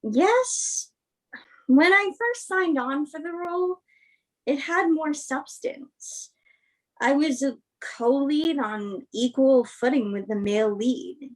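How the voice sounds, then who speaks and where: Slow, high-voiced, candid female film star played by an actress. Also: low-quality recording. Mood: frank. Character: female movie star, candid, principled, thoughtful. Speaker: actress in a virtual staged reading. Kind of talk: naturalistic play reading, conversational interview.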